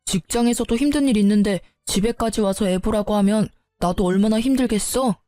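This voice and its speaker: A woman's voice: mid-range voice, fairly quick, mellow, no room sound, studio quality, natural voice. A woman voicing a resentful young husband who argues back with sneering, defensive retorts in a storybook narration. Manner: argumentative, sneering.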